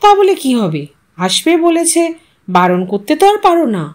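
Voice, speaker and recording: A woman voicing a sensible young wife who coaxes and gently teases her husband. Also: sits high, very animated, normal speed. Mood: teasing. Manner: coaxing, light teasing.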